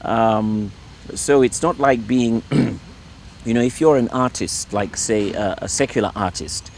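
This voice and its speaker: A man's voice: mid-range voice, takes it slowly, vocal fry, darkish tone, slight background noise. A middle-aged man from Ireland, a Catholic priest speaking as an interview guest at his home, hesitant and full of repeated words and fillers. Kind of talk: relaxed conversational interview.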